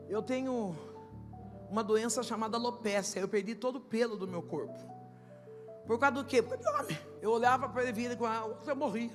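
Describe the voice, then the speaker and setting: A woman pastor with a Brazilian Portuguese accent gives an emotional testimony sermon, moving from quiet storytelling to shouted, half-sung preaching. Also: a little high. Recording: echoey hall with long reverb and loud music behind.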